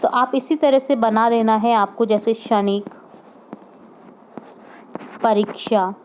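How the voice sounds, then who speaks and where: Patient woman teacher, slightly high voice. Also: steady tone, a little hiss or hum. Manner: patient, repeats words slowly and checks in with "ठीक है". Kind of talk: homework walkthrough lesson for young pupils.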